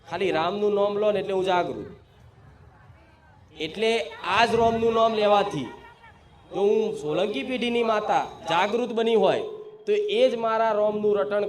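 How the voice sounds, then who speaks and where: A man, a spiritual medium preaching to a crowd in a forceful, declamatory manner. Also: sits high. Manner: commanding, declamatory, leads call-and-response chanting. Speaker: spiritual medium speaking as the goddess. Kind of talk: possessed devotional sermon to a crowd. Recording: echoey room with faint ambient noise.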